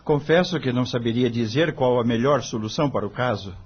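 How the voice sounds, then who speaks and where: Man playing an earnest, husky-voiced young protégé. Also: mid-range voice, quick pace, close to an everyday voice. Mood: troubled, pensive. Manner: candid, hesitant, respectful. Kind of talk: dramatised audiobook acting. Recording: dull lo-fi audio.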